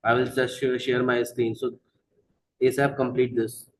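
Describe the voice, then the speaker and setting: A man's voice: medium pitch, level tone, measured pace, slight background noise. A man with a South Asian accent teaching an interactive online lesson, prompting pupils with short questions and switching between English and Hindi. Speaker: teacher leading an online class.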